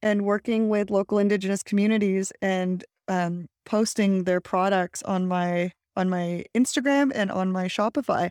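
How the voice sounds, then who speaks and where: A woman with a Canadian accent speaks in an unremarkable speaking voice of medium pitch at a moderate pace, with fairly even intonation and very even loudness. The recording is very clean with a silent background and a dry, close sound with no echo. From Canada, Vancouver. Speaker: social media marketing consultant. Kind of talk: interview.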